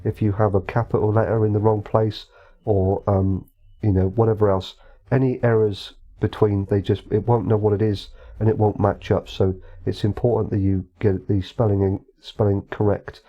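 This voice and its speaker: A man calmly walking through a software modding tutorial, explaining each step methodically. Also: lowish voice, normal speed, highs cut off. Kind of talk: screen-recorded tutorial walkthrough.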